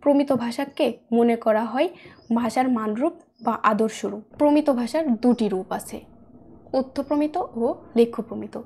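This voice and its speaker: Soft-toned woman teaching a lesson. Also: a little high, moderate pace. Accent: standard Bangladeshi Bengali. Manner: explains patiently, repeating points. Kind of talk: classroom lesson narration. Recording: faint background noise with clicks.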